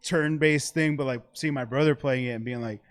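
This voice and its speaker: A man's voice: mid-range voice, fairly even intonation, brisk. A man in his thirties, a podcast co-host, chatting casually and rambling with lots of "like" and swearing. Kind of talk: casual chat.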